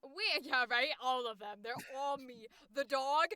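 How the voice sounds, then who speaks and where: A woman hosting a casual livestream as a voice actor, explaining and asking questions in an informal, animated way. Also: high-pitched, measured pace, smooth.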